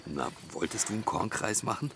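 A man playing an easygoing, assured environmental activist, calm and encouraging as he gives instructions in radio drama dialogue. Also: fairly low pitch, brisk, vocal fry. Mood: calm, instructing. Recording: loud outdoor noise with crickets.

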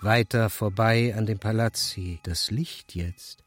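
Solemn poet-chronicler, slow pace, incantatory, declamatory verse, radio drama, prominent music. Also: male voice, fairly low pitch, fairly even intonation. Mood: incantatory, reverent. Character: grave male poet-chronicler of war and myth. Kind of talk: dramatic poetry recitation in an avant-garde radio play.

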